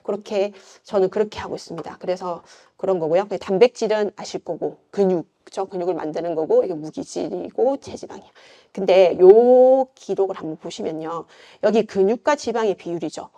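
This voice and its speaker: A woman's voice: medium pitch, brisk, warm tone, highs cut off. A middle-aged woman with a Gyeongsang accent, giving an informal lecture as a yoga instructor, chatty and full of rhetorical questions. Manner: chatty, conversational, frequent fillers and rhetorical questions.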